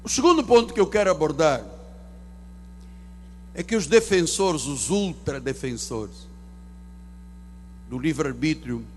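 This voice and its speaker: A man pastor preaches from a church pulpit in a high, lively voice. His delivery is theatrical, leaping between loud declarations and hushed asides. A faint hum runs underneath. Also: a little slow, long pauses. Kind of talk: sermon. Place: church sanctuary.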